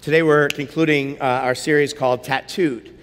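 A male pastor retelling a story in his sermon, rising for the action and dropping low for the quiet moments. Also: steady tone, moderate pace, slight background noise. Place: church auditorium. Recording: long hall reverb.

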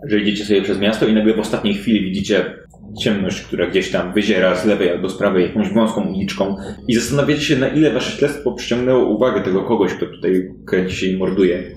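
A man's voice: on the low side, quick pace, darkish tone, slight background noise. A man running a tabletop role-playing game, improvising descriptive narration in a conversational way. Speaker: game master. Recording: roomy, echoey indoor recording.

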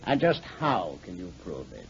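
A man's voice: low voice, big pitch swings, moderate pace, husky, exaggerated voice. A man acting a composed doctor who turns out a villain, indignant in denial, in a 1940s radio drama. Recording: dull, hissy 1940s radio recording.

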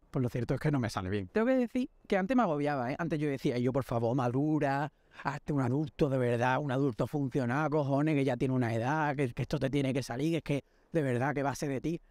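A man in his twenties with a Spanish accent, a podcast host telling a personal story with animated, self-mocking drama while walking outdoors at night. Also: mid-range voice, dry recording. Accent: Spain Spanish. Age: 20s.

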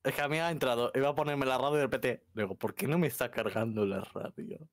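A man's voice: mid-range voice, fast, no room sound, clean studio sound. A man with an accent from Spain, chatting casually with gaming friends over voice chat. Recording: clearly noisy voice chat.

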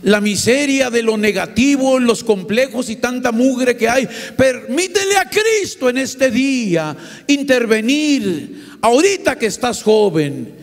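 A man with a Mexican accent gives a passionate sermon testimony, often shouting as he preaches. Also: very high-pitched, animated, unhurried. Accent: Mexican Spanish. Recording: echoey hall with faint hum.

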